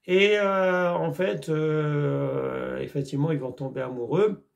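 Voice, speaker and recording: A man's voice: a little high, fairly even intonation, takes it slowly, vocal fry. A man chatting casually to camera about a film he watched, rambling with many hesitations and calling his viewers his friends. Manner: rambling, many hesitations, repeats "mes amis". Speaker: YouTube film reviewer.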